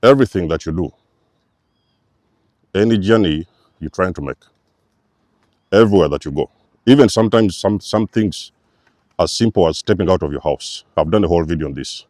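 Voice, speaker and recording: A man's voice: low-pitched, lively intonation, moderate pace, pauses often, darkish tone, no echo, clean studio sound. A man hosting a spiritual channel, giving an emphatic, repetitive preacher-like talk to his viewers. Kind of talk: spiritual teaching monologue.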